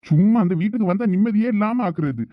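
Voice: mid-range voice, expressive, quick pace, no room sound, highs cut off, lightly acted. A performer playing an irritated college-going son arguing with his mother in a village comedy skit, with a Thoothukudi Tamil accent. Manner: irritated, argumentative.

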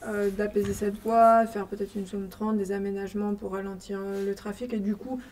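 Flat-voiced woman, heard from afar. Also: mid-range voice, normal speed, recorded from a distance, a little hiss or hum. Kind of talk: discussion remark.

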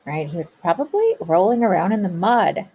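Husky-voiced teacher asking children questions. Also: female voice, lowish voice, sing-song, normal speed, dark tone. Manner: patient, questioning, speaks to children. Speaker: kindergarten teacher. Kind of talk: read-aloud comprehension questions.

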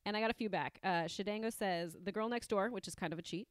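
A woman's voice: medium pitch, fast, no room sound, studio quality. A woman co-hosting a film podcast, reading out listener tweets in a friendly, plain way. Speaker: podcast co-host.

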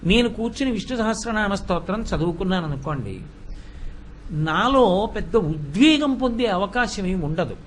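A man's voice: high voice, normal speed, a little hiss or hum. A man giving a religious discourse, breaking into sung devotional refrains as he tells his points. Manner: sings bhajan refrains mid-talk, animated storytelling. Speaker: spiritual speaker.

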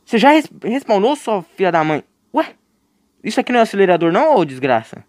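A man's voice: high-pitched, big pitch swings, fast, darkish tone, dry recording, clean studio sound. A young man with a Brazilian Portuguese accent streaming a horror game live, joking with his chat and breaking into panicked yelps when scared. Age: young adult. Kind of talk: live gameplay commentary.

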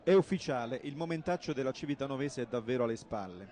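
A man narrating a football match report in a brisk, emphatic scripted voice-over. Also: mid-range voice, expressive. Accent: Italian. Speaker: sports reporter.

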